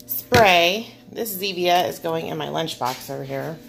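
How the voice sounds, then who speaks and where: A woman's voice: sits low, animated, measured pace, vocal fry. A woman in her forties chatting casually and rambling in a vlog. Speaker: vlogger. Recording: distant mic under loud music.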